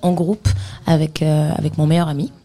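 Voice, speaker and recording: A woman's voice: low voice, flat delivery, fairly quick, dark tone. A woman with a slight accent, a singer guest on radio, speaking hesitantly with many fillers. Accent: slight foreign accent. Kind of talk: radio interview.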